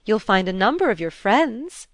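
A woman's voice: mid-range voice, very animated, normal speed, no echo, voice pushed up. A woman voicing a flamboyant older society hostess with a round, rolling voice and a brash, effusive manner. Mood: gushing. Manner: effusive, brash, hail-fellow. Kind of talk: audiobook character voice.

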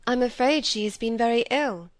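A woman's voice: on the high side, normal speed, dry recording, clean studio sound, natural voice. A woman reading as a cool, tactful young woman. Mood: measured.

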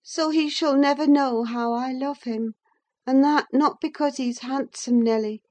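A woman's voice: high voice, warm tone, voice pushed up. A woman reader voicing a passionate, headstrong young woman torn in love, speaking with impassioned fervor. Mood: wistful. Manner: fervent, impassioned declaiming.

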